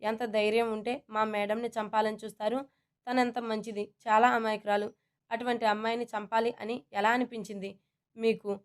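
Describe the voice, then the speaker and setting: A man's voice: high voice, little pitch movement, normal speed, clear, resonant tone. A woman reading a storybook and voicing a loyal young male assistant who scolds with indignation. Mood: indignant.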